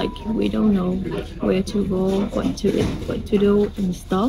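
A woman speaks with noticeable background noise. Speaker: travel vlogger. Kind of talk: casual vlog chat. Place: boat. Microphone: phone near.

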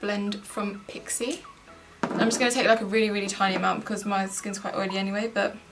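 A woman speaks over light background noise. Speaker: beauty vlogger. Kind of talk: tutorial. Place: home room. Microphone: camera far.

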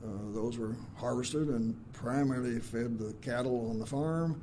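A man speaks in a Midwestern American accent, with audible room echo around him. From Indiana. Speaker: retired soil scientist. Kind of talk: oral history interview.

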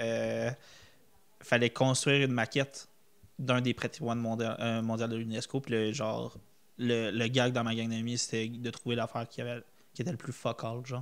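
A man speaks in an ordinary speaking voice at a moderate pace and a medium pitch. The recording is very clean, with a silent background. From Quebec, Gatineau. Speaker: comedian. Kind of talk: casual chat.

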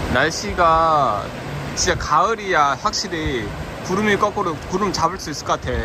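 Recorded dry with no echo and with noticeable background noise, a man speaks at a moderate pace in a high pitch with ordinary pitch variation. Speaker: vlogger filming. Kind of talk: casual vlog chat. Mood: relaxed, delighted. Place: beach. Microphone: phone near.

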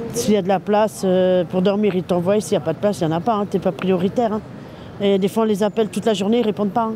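At a very fast pace, a woman speaks with very even loudness and ordinary pitch variation, the sound dry with no echo and noticeable noise in the background. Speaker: homeless woman; interviewee. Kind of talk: street interview. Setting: outdoors. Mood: indignant, upset. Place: street. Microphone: handheld.

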